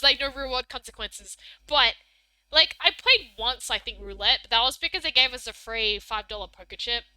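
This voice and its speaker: Bubbly, bright Australian woman streamer. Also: high-pitched, no room sound, low-quality recording. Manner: bubbly, giggly, rambling with many fillers. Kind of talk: casual live-stream chat, reading chat messages.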